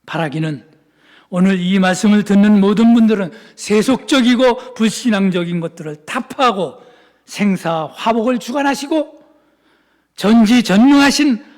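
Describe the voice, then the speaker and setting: A man from Seoul preaching a sermon as pastor, moving between fervent shouting and hushed, soft-spoken asides. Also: sits high, moderate pace. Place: church sanctuary. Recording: long reverb in a church sanctuary.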